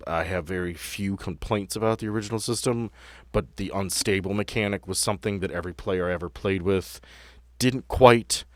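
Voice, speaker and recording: A man's voice: fairly low pitch, dry recording. A man acting as game master, narrating and refereeing a tabletop game in a casual, explanatory way with vivid descriptions.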